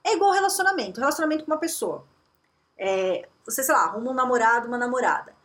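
A woman career coach giving emphatic, animated advice straight to the viewer. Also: on the high side, fast. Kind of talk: direct-to-camera advice talk.

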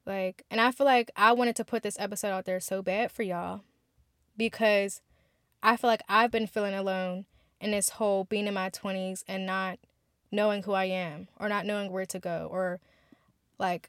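A woman's voice: medium pitch, fairly even intonation, moderate pace, a bit bright, clear, resonant tone, no room sound, studio quality. A twenty-one-year-old woman hosting a podcast, speaking candidly and heartfelt straight to her listeners in a casual monologue. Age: 20s. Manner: candid, heartfelt, chatty, addresses listeners directly. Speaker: podcast host.

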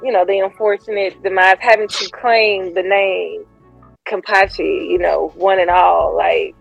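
A woman's voice: fairly low pitch, steady tone, a little slow, creaky, dull audio, faint music behind. A woman co-hosting a podcast, chatting playfully and laughing as she acts out quotes. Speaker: podcast co-host. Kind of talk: casual chat.

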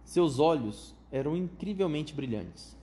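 A man reading a children's book aloud in a measured storytelling manner. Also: fairly high pitch, animated, mellow, slight background noise.

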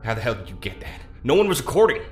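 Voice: mid-range voice, sing-song, racing, a little mellow, soft background music, lightly acted. An actor playing a blunt, defiant prisoner in an audio drama. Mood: shocked, angry. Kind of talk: scripted audio drama acting.

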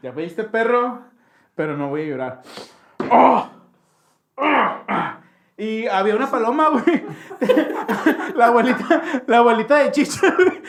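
A man's voice: extremely high pitch, lively intonation, moderate pace. A young man with a Mexican accent tells a childhood story in casual, slangy chat, jumping into voices to mimic people.

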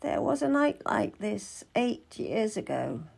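A woman's voice: mid-range voice, very animated, slow, vocal fry, a little mellow, husky, heavily acted. Woman acting stern, secretive old midwife. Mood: sorrowful. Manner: commanding, clipped, solemn.

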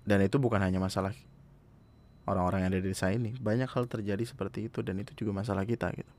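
A man's voice: on the low side, steady tone, racing, darkish tone. A young man, earnestly commenting in a casual monologue, speaking straight to his listeners. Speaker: podcast host.

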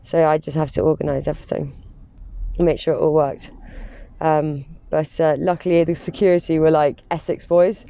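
A man's voice: a little high, level tone, normal speed, creaky, warm tone, clear, resonant tone, no room sound, lo-fi sound. A British man chatting casually as an interview guest, telling anecdotes in a gushing, emphatic way. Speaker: interview guest, former personal assistant to wealthy clients.

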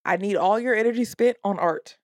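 A woman's voice: mid-range voice, fairly quick, no echo, clean studio sound. A woman with an African American accent talking casually in a blunt, assertive, slangy way. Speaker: project manager. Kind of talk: casual animated conversation.

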